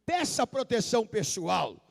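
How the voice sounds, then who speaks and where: A pastor preaching a sermon at a live service, emphatic and repetitive, calling out to the congregation. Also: male voice, high voice, big pitch swings, a little slow, gravelly. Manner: emphatic preaching, repeats key lines, calls out to the congregation. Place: large church sanctuary, live service. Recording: long hall reverb of a church.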